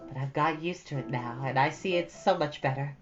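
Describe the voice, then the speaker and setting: A woman's voice: low-pitched, brisk, natural voice. A woman voicing a thoughtful, earnest fifteen-year-old girl from a storybook, reflective and dreamy. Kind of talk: storybook character dialogue. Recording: dull audio over soft guitar music.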